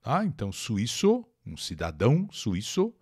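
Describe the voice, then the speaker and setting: A man's voice: on the low side, wildly swooping pitch, measured pace, a little mellow, breathy edge. A man with a Brazilian accent teaching English in a live online lesson, reading a text aloud, translating it and explaining pronunciation while chatting with viewers. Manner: chatty, addresses viewers directly.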